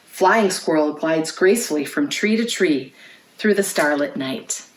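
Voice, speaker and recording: A woman hosting a children's storytime, reading aloud in clear phrases and putting questions to young listeners. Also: sits low, animated, a little slow, a little hiss or hum. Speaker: children's librarian, storytime host. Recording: roomy, echoey indoor sound.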